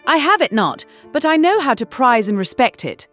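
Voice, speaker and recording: A woman acts out a self-assured young gentlewoman from a period novel. Her pitch rides high and swings expressively as she makes emphatic, affectionate points in careful phrases, over faint music. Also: sing-song, moderate pace. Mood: fervent, admiring. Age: young adult. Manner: earnest, emphatic, articulate. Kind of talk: dramatised classic novel audiobook acting.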